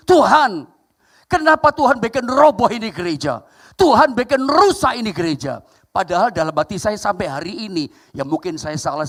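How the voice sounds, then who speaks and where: A man preaching a sermon, telling a story with lively acted-out quotes and sound effects. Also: high voice. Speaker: pastor. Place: church sanctuary.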